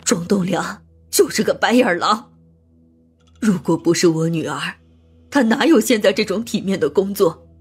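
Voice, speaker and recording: A woman playing a bitter, domineering older mother in an audiobook drama, scornful and ranting in a husky voice. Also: mid-range voice, lively intonation, moderate pace, faint music behind. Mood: furious, scornful. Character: bitter, domineering, sharp-tongued older mother of a murdered daughter.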